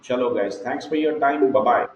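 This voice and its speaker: A man's voice: mid-range voice, normal speed. A man with a South Asian accent explaining things to students in an online class, addressing them familiarly and repeating for emphasis. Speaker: online course trainer. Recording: muffled echoey online call with noise.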